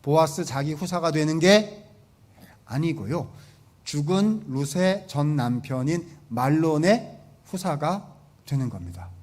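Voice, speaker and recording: Man, pastor, a touch higher than usual, joking conversational sermon. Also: a little mellow. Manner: conversational, asks the congregation questions, acts out quotes. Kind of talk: humorous sermon.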